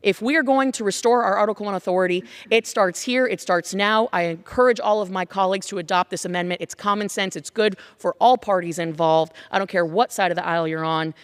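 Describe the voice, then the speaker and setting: A congresswoman giving a forceful, rhetorical floor speech in a large legislative chamber, building her case with repeated phrases. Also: mid-range voice, fairly quick, hardly any pauses, clear, resonant tone.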